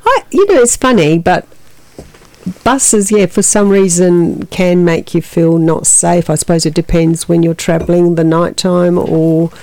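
A woman's voice: fairly low pitch, unhurried, darkish tone, no room sound. A middle-aged woman hosting a community radio breakfast show, chatty and hesitant, with many fillers and restarts. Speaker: radio host. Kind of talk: community radio breakfast chat and news reading. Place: radio studio.

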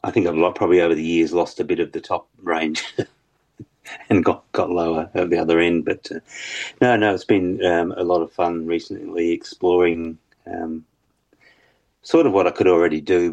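A man with a very low bass voice, talking hesitantly as a musician guest in an interview, with many fillers and restarts. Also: little pitch movement, normal speed, a little mellow. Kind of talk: casual interview chat.

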